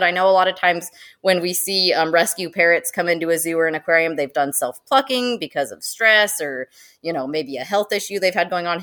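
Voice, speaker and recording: A woman who works as a zoo animal educator, chatting casually in an interview, animated and laughing often. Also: medium pitch. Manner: animated, laughing, with quick excited quoted asides.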